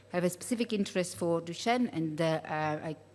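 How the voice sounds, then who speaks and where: A woman speaks at a very fast pace with an Italian accent. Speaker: neurologist. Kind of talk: conference talk. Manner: halting.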